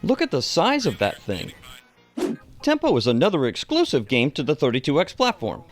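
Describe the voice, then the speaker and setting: Male reviewer, middle-aged, very animated and enthusiastic scripted delivery, slightly high voice, over background music. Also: normal speed. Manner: enthusiastic presenter. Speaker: video game reviewer and presenter. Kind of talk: scripted video review narration.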